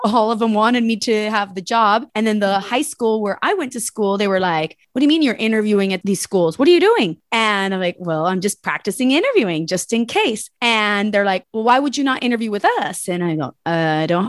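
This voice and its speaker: A woman in a Spanish accent talks at a fairly quick pace and fairly high pitch with lively intonation and hardly any pauses, in a dry, close sound with no echo on a very clean recording with a silent background. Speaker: language teacher. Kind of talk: interview. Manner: halting when speaking French.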